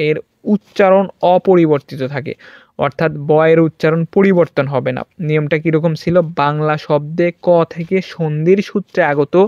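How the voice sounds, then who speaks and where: A man's voice: on the high side, a little mellow, no echo. A young man, tutoring students through grammar rules for an exam, repeating points and checking that they follow. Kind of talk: exam-prep grammar lesson. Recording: dull lo-fi dry recording.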